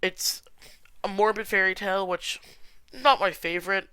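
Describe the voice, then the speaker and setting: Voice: medium pitch, moderate pace, pushed and bright, clean tone, no room sound. A podcast host with a stuffy nose and sore throat, chatting casually and giving opinions in a solo film review. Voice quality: congested.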